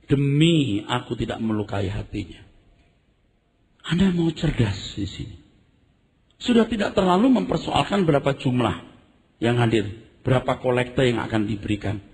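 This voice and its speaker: Man preaching with an animated, wide-ranging delivery and vivid storytelling, heard in a reverberant hall. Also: sits high, a little fast. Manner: animated storytelling, acts out screams and sounds; addresses the congregation as "saudara". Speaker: pastor. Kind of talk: sermon.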